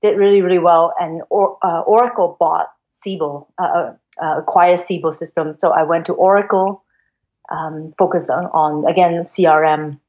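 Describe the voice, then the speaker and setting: A woman's voice: fairly low pitch, fairly even intonation, normal speed, darkish tone. A woman in her forties from Hong Kong, a guest investor telling her story in a chatty way, with many fillers and restarts. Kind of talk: casual interview storytelling. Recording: dull lo-fi sound.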